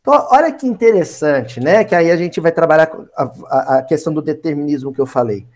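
A man leads a spiritist Bible study in a loose, conversational style. His speech moves through a wide, lively range of pitch, and he keeps turning to his listeners to make a point. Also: a little fast. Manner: animated, talks directly to listeners, acts out quotes. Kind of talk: conversational lecture.

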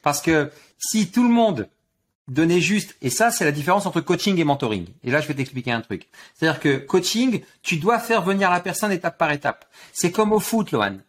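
Man, guest coach, higher-pitched voice, animated explaining, repeats words, analogies. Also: moderate pace. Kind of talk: explanatory interview talk.

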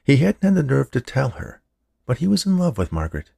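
A man's voice: medium pitch, wildly swooping pitch, brisk, gravelly, a little mellow. A man narrating a scripted fiction story as a podcast storyteller. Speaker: writer, narrator and podcast host.

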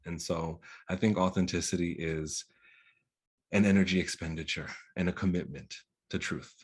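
A man from New York with a very low, husky baritone that sounds made for radio. He talks in an easygoing, reflective way as a podcast guest and mixes in the odd Spanish word. His voice is deep and carries a slight rasp throughout. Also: fairly even intonation, moderate pace. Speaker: podcast guest, sales executive. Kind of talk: casual interview conversation.

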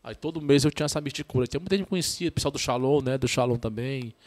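A man with a northeastern Brazilian accent from Ceará, a Catholic priest telling his story in a casual podcast interview, halting and repetitive, often tagging sentences with a question. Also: mid-range voice.

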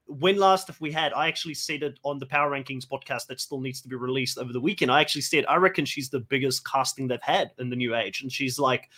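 A man's voice: medium pitch, fast talker, few pauses, bright, forceful tone. A man whose first language is Afrikaans, hosting a podcast and putting questions to a guest in a chatty, enthusiastic way. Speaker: podcast host. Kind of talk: casual interview chat.

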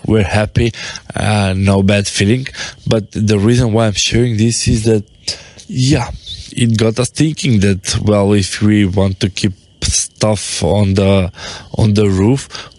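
A podcast host and business owner chats casually to the camera from his apartment rooftop outdoors. His voice is low and a little mellow, and he rambles, restarting sentences and using loose English.

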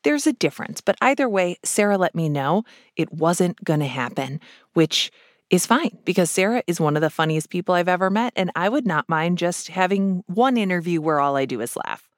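A woman's voice: lowish voice, expressive, moderate pace, no echo, clean studio sound. A woman hosting a podcast, narrating in a wry, playful scripted style with joking asides. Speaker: podcast host.

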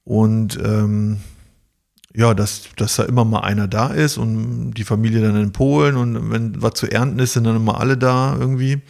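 A man's voice: on the low side, steady tone, normal speed, gravelly, darkish tone. A man casually telling a long anecdote on a podcast, full of fillers, now and then putting on other people's voices. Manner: rambling storyteller, imitates others with raised voice. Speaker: podcast co-host.

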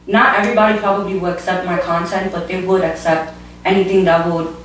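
A woman's voice: on the low side, little pitch movement, brisk. A twenty-one-year-old Dominican woman, a plus-size model, answering earnestly and casually with frequent fillers. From Dominican Republic. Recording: echoey room from a distance, faint hum.

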